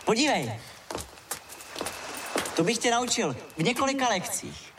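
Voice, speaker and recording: A man's voice: extremely high pitch, huge pitch swings, full character voice. A man in an acted dialogue, answering in a plain, matter-of-fact manner. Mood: calm. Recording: noisy background ambience.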